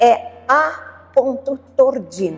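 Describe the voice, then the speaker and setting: Music sits in the background as a woman speaks with lively intonation. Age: 80s+. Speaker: artist and ceramist. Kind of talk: interview.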